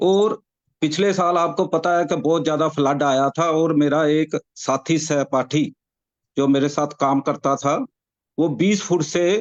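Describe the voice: At a fairly slow pace, a man speaks in a fairly high pitch with ordinary pitch variation.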